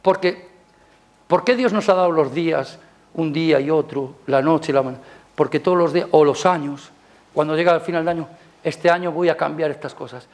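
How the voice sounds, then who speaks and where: A man with a Spanish accent delivers a Sunday sermon in a church, his voice sitting somewhat high. He talks with the congregation as much as at them, tossing in rhetorical questions. On key points he climbs higher and louder, then falls back to a soft, low aside. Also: a little fast. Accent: Spanish from Spain. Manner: rises loud and high on emphasis, drops soft. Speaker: preacher. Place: church service.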